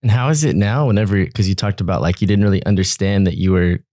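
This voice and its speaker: Male host, deep and fast, rambling interviewer. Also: mellow, no echo, clean studio sound. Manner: rambling, questions with hedges. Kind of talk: podcast interview.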